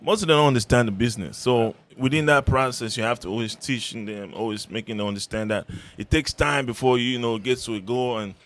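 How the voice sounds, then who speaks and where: Man from Cameroon, musician guest, friendly rambling talk, mid pitch, radio studio. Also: quick pace, hardly any pauses, a bit bright. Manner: friendly, rambling, many fillers. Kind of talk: casual radio interview.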